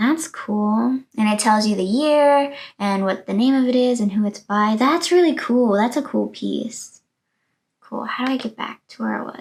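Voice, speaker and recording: With an ordinary speaking voice and an American accent, a woman talks at a fairly slow pace and a fairly high pitch with ordinary pitch variation, in a very clean recording with a silent background. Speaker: art history student hosting virtual museum tour. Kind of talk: casual screen-share tour commentary. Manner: casual, filler-heavy (like, um).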